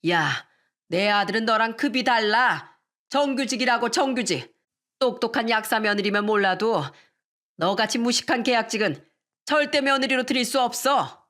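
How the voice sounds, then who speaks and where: A woman's voice: moderate pace, lightly acted. A woman voicing a furious, scornful middle-aged mother-in-law-to-be in a dramatized radio story. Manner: shrill, contemptuous yelling.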